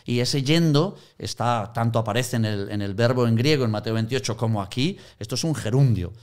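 A man's voice: mid-range voice, fairly quick. A man in conversational teaching on Christian mission, telling anecdotes and acting out quoted voices. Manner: animated storyteller, acts out quoted voices.

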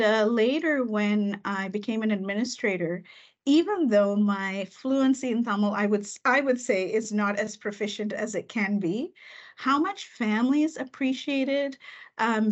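Reflective woman educator, muffled audio. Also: fairly high pitch. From Canada. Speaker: school administrator. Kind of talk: panel discussion storytelling.

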